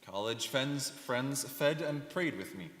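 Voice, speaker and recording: A young man performing a scripted dramatic reading as a reflective immigrant alumnus, steady and solemn in manner. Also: medium pitch, takes it slowly. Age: young adult. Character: reflective male immigrant alumnus and devoted teacher. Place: large hall. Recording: echoey hall, long reverb.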